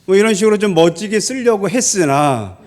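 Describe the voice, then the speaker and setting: High-voiced Korean pastor preaching. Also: male voice, lively intonation, a little mellow. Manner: storytelling, slows and stresses key phrases, asks the congregation questions. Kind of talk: sermon. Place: church.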